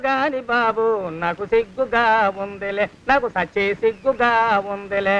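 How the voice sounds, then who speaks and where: A man's voice: sits high, moderate pace, a bit bright, soft background music. An actor playing a cheeky male servant who teases his master with mock respect. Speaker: film actor. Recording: dull lo-fi film soundtrack.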